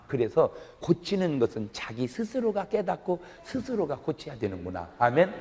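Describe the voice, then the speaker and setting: A male pastor preaching a sermon with lively questions to the congregation and folksy, humorous stories. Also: medium pitch. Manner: lively preaching, call-and-response questions, bursts of loud exclamation. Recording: long reverb of a large hall.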